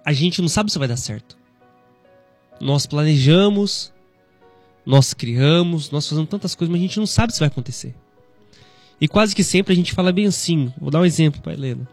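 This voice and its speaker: A man in his thirties with a Brazilian Portuguese accent, hosting a devotional radio talk in a conversational, gently preaching way, often tagging lines with "né". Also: on the high side, animated, moderate pace, pauses often, faint music behind. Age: 30s. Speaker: Christian radio presenter.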